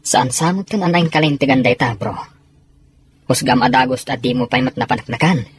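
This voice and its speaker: A man's voice: medium pitch, brisk, breathy edge, dry recording. A man playing an earnest, deferential soldier in a serial drama, speaking in a conversational, explanatory way. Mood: reproachful. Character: earnest soldier, deferential, reasoning with his comrade. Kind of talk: Ilocano serial drama acting.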